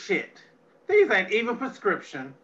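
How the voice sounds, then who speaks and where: A woman's voice: mid-range voice, wildly swooping pitch, a little slow, fairly bright tone. A woman playing a drunk, foul-mouthed brawler. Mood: menacing. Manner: swaggering, profane, menacing. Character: brash foul-mouthed drunk female tech expert. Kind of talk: amateur audio drama reading. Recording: dull lo-fi audio.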